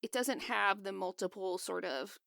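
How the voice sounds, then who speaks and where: A woman's voice: medium pitch, measured pace, gravelly, fairly bright tone, dry recording, studio quality. A woman co-hosting a podcast, explaining a topic in a chatty, casual way. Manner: explanatory, chatty, laughs often. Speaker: podcast co-host. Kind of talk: casual chat.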